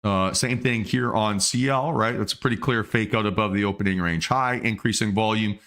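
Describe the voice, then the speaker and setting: Hiccuping throughout, a man hosts a day trading livestream, giving casual live market commentary as he thinks aloud through trades with fillers and restarts. His voice is lowish and a bit bright, at normal speed.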